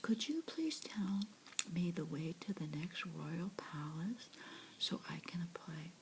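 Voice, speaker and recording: A woman voicing a hopeful young boy who wants to be king, in a soft whisper. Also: on the low side, lively intonation, takes it slowly, noisy background.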